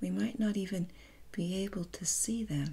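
Soft-spoken delivery comes at a very slow pace. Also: woman. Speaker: meditation teacher. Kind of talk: guided meditation. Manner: slow, soft-spoken. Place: home room. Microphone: phone near.

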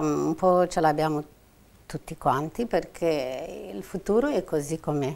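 The woman's voice sits at a fairly low pitch. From Romania. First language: Romanian (speaking Italian). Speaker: nurse; interview guest. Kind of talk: TV interview; interview answer. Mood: reflective, slightly wistful. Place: studio. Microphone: lapel.

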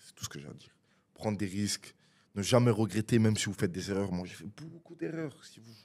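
The delivery races along at a very fast pace, with lively intonation throughout. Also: man. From Italy, near Milan; Italy. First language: Italian (speaking French). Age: 20s. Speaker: content creator. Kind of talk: casual interview chat. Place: studio. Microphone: studio mic.

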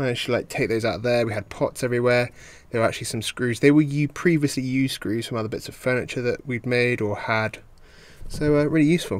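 Speaking at a very fast pace with fairly even intonation, a man sounds dry with no echo. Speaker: van conversion vlogger. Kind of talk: casual vlog chat. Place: car. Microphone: phone near.

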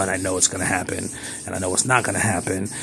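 A man with a fairly low pitch speaks in an American accent over noticeable background noise. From California. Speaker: headlight restoration professional / YouTuber. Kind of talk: casual tutorial monologue. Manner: halting, many fillers.

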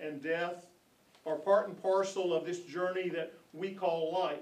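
A man speaks at a very slow pace in a high pitch. His intonation is monotone and flat, and room echo is audible. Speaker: minister. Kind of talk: prepared speech from a script. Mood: earnest, persuasive. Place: meeting room. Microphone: handheld.

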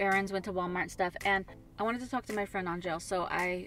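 A woman speaks with fairly even intonation. The sound is dry with no echo, and faint music plays in the background. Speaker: car-living vlogger. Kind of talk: casual vlog chat. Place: car. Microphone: phone near.

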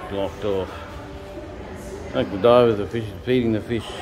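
A man's fairly low voice holds a moderate pace and fairly even intonation against noticeable background noise. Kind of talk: casual vlog chat. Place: hall. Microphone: phone near.

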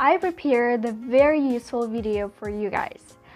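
Music plays in the background. A woman with high pitch speaks at a moderate pace. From Kazakhstan. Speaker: English teacher YouTuber. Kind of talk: casual talk to camera. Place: home room. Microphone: phone near.

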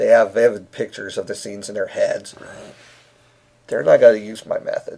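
Loudness swings widely as a man speaks at a fairly quick pace. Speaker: podcast co-host and author. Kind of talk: casual chat. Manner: halting.

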